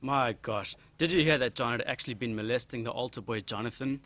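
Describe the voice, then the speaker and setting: A man's voice: medium pitch, fairly quick, natural voice. A man playing a judgmental, gossipy churchgoer in an audio drama. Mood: scandalized, disdainful. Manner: contemptuous, gossiping.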